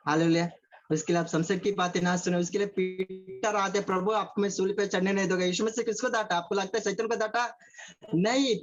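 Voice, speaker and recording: Man preaching over a dull call line. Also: sits high. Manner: repeats phrases and asks the listeners questions; mixes English words into his preaching. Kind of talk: sermon over a video call. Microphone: video call.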